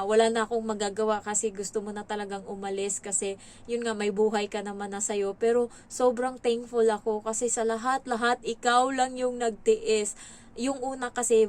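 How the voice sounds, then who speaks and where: A woman from the Philippines working as a domestic helper, telling stories in a casual, animated vlog and acting out what others said. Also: mid-range voice. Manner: chatty, animated, quotes others in raised voices.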